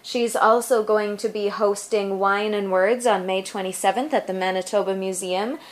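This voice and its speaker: A woman's voice: mid-range voice, steady tone, moderate pace. A woman talks as a podcast host. Her delivery is informal and chatty, with a gushing, conversational flow and a mid-range voice. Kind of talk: casual chatty podcast talk.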